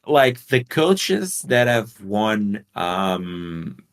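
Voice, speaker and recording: A man's voice: lowish voice, sing-song, very slow. A man from Portugal co-hosting a casual sports podcast, talking bluntly with swearing and rambling explanations. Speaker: podcast co-host.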